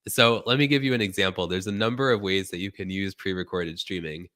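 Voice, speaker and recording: A man hosting a casual live stream tutorial, sounding hoarse from a cold and chatting directly to his viewers. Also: low voice, fairly quick, pushed and bright.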